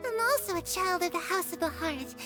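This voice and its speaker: A sweet, high ghostly little girl. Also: a little fast, loud music behind the voice.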